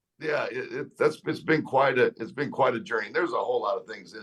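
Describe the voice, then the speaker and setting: A man with a Southern accent at a fairly quick pace, hardly any pauses, and big swings in loudness. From US South, Mississippi. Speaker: pastor and motivational speaker. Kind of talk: podcast interview. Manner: animated.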